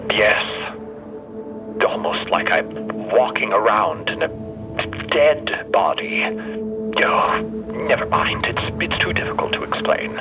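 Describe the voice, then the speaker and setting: Haunted scholar, narrow radio-like sound. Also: male voice, fairly high pitch, very animated, music in the background. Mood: anguished, confiding. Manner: halting, ruminative, theatrical. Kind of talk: audio drama acting.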